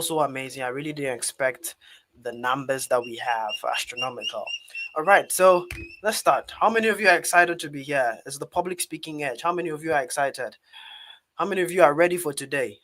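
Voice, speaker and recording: Bright-voiced Ghanaian man hosting a webinar. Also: fairly high pitch, a little fast. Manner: repetitive, rallying questions to the audience. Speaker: host and public speaking coach. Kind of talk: informal live webinar presenting.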